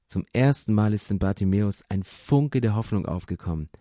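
A man's voice: on the low side, lively intonation, fairly quick, mellow, no echo, studio quality. A man preaching a sermon as a pastor, impassioned and speaking directly to the listener.

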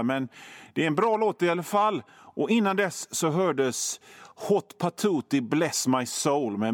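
A man's voice: fairly high pitch, dry recording. A male radio host delivering a comedic monologue in a sardonic, mock-grumpy ranting manner into a studio microphone.

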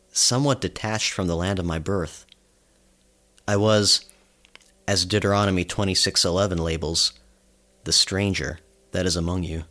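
A man in his mid-twenties from Canada, reading a measured, reflective scripted commentary as a reporter. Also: deep voice, fairly bright tone. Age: 20s.

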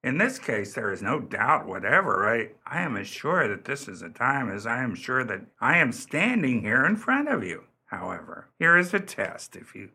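An actor playing a courteous, stammering jeweler in a radio play, hesitant and formal with a raspy voice. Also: male voice, medium pitch, very animated, normal speed, hardly any pauses, bright, forceful tone, exaggerated voice. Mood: courteous, confident. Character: flustered, eager male jeweler, courteous and self-assured.

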